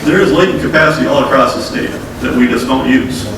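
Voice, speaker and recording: A man's voice: medium pitch, fast talker, creaky. A man presenting to a conference audience, talking directly and casually to the crowd, with a cold that is wearing his voice down. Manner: folksy, direct, addresses audience as folks. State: has a cold, losing his voice. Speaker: state transportation official. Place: conference room. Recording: echoey hall, distant mic, noisy.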